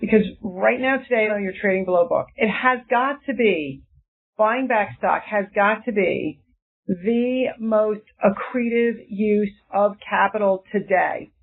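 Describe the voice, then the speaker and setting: A woman's voice: medium pitch, unhurried. A woman analyst on an earnings call presses her questions insistently, with stumbling restarts. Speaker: equity analyst asking questions. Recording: tinny phone line.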